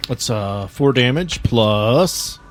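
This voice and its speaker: A man's voice: medium pitch, expressive, takes it slowly. A man running a tabletop game as game master, narrating and talking casually with players. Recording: music playing behind the voice. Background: music.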